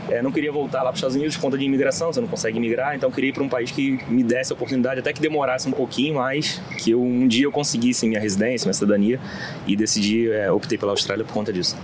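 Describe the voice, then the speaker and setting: Man, interview guest, reflective, quick pace, outdoor noise. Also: medium pitch, fairly even intonation. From Brazil. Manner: matter-of-fact, reflective. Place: outdoors in a city park.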